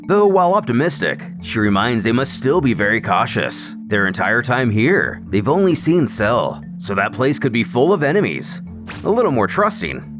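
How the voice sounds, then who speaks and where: A man giving dramatic scripted story narration with expressive storytelling emphasis. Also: medium pitch. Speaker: narrator of fan comic recaps. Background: background music.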